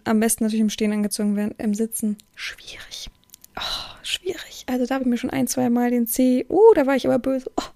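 Strict, outspoken woman host with a fairly high voice, rambling chat, dry sound. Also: mellow, no room sound. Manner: rambling, restarts sentences, exclaims "oh". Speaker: podcast host. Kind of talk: casual podcast monologue.

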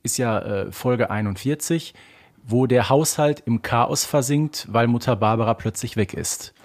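A man's voice: mid-range voice, a little slow. A man co-hosting a podcast, talking in a casual, conversational way. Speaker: podcast co-host. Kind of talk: casual conversational discussion of audio dramas.

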